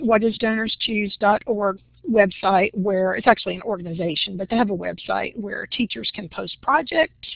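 There is ordinary pitch variation in this woman's voice at a moderate pace. The sound is dry with no echo, over a quiet background. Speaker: teacher presenter, webinar guest. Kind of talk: webinar presentation. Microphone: video call.

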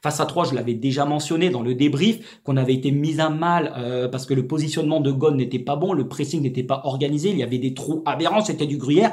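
A man with a fairly high, theatrical voice speaks at a fairly quick pace with hardly any pauses. His pitch varies in an ordinary way against a quiet background. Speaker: football fan channel host. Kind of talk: angry rant, football debrief. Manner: furious, exasperated, sarcastic, loud, exclamatory; colloquial, theatrical, mocking, insult-laden. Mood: frustrated, sarcastic.

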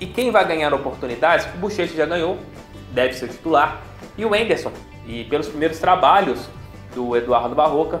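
Faint background music and audible room echo surround a man talking at a fairly quick pace. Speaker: sports commentator. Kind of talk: commentary. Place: home room. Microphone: lapel.

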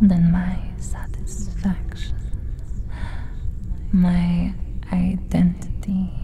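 Someone soft-spoken whispers at a very slow pace over light background noise. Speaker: ASMR roleplay narrator. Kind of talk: hypnotic roleplay monologue. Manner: soft seductive hypnotic whisper. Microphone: studio mic.

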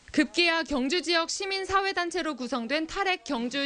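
A woman's lively intonation amid noticeable background noise. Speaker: news reporter. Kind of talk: news report.

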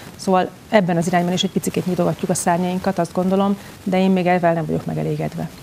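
A woman talks at a very fast pace in a fairly low pitch, her tone dark and mellow and her intonation monotone and flat, over light background noise. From Hungary, Székesfehérvár; Hungary. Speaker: singer, choir conductor and music teacher; music educator, interview guest. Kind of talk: TV interview; interview answer. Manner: hesitant, with many filler sounds. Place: studio. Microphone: lapel.

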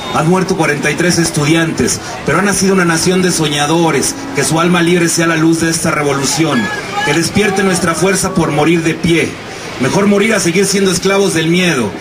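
A man shouts in a high, solemn tone with fairly even intonation and very even loudness, with noticeable background noise behind him. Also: moderate pace. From Mexico. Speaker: poet and filmmaker. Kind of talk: poem performed with intense, declamatory delivery. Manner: impassioned, solemn, rising to a defiant shout. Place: street. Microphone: pa.

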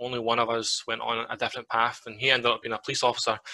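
A man with a Scottish accent, medium pitch and a bright, sharp tone, at a moderate pace against a quiet background. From Scotland. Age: 30s. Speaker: author and mental health advocate; panel contributor with lived experience. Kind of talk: personal testimony. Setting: video call. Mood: earnest, serious. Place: home room.

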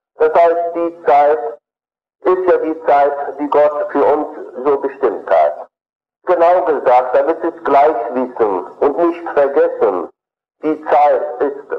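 Music plays in the background as a man talks at a very slow pace. He leaves long, frequent pauses. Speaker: speaker. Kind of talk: sermon-like lecture. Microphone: old recording.

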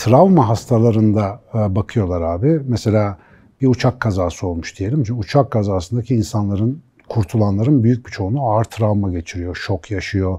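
A man talks at a moderate pace in a fairly low pitch, his dark, mellow tone somewhat breathy. His pitch varies in an ordinary way against a quiet background. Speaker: podcast co-host, academic. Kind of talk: casual chat. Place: studio. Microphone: lapel.

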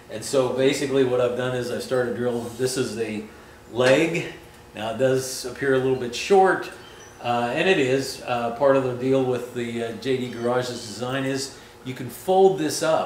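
A man's voice at a moderate pace with ordinary pitch variation, light background noise and audible room echo. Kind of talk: casual tutorial explanation. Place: garage. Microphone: camera far.

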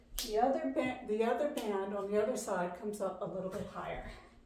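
There's light background noise and audible room echo as a woman speaks at a fairly quick pace. Her pitch is fairly high, with ordinary variation. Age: 60s. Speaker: fitness instructor. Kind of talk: workout instruction. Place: home room.

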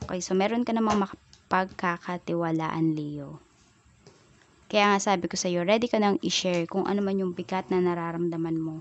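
In an ordinary speaking voice, a woman speaks at a fairly quick pace and fairly low pitch, with fairly even intonation and big swings in loudness. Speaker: tarot reader. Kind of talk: tarot reading monologue. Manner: casual, conversational.

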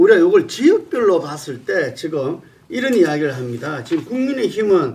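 A man's voice with very wide pitch swings at a moderate pace. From South Korea. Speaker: political news outlet head and talk show host. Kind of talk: political panel discussion. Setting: studio, live YouTube stream. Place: studio. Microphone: studio mic.

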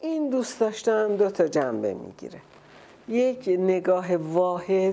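A woman's medium-pitched, dark, mellow voice in a Tehran accent, very slow, with very wide pitch swings. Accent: Tehran Persian. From Tehran, Iran. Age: 80s+. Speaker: actress, radio presenter and dubbing artist. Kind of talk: interview answer. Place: home room.

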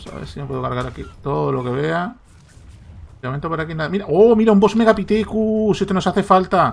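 Speaking in a Spanish accent, a man uses a high pitch, lively intonation and big swings in loudness. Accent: Peninsular Spanish. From Spain. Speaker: gaming YouTuber. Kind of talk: gameplay commentary. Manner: animated; fast. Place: home room.

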